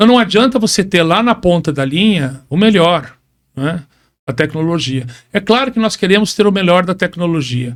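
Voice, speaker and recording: A man at a moderate pace, high in pitch, his intonation lively. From Rio Grande do Sul, southern Brazil. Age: 60s. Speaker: intensive care physician. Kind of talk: interview. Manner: hesitant, frequent fillers and repetitions.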